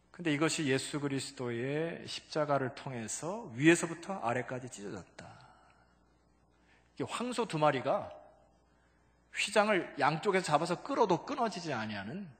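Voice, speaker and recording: A male pastor preaching a sermon, emphatic, swinging between loud exclamations and hushed low asides and calling out to the congregation. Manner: calls out to the congregation for responses. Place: church sanctuary. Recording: long reverb of a large church hall.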